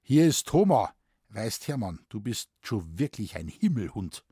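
A man voicing a rough, sharp-tongued village doctor with a Bavarian accent who talks bluntly and teasingly. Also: on the low side, big pitch swings, a little slow, no echo, studio quality, exaggerated voice. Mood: scolding.

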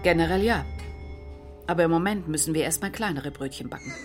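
A company boss on trial, played by a woman in a radio drama, with a low voice for a woman. She is brisk and guarded, and music runs underneath. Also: natural voice.

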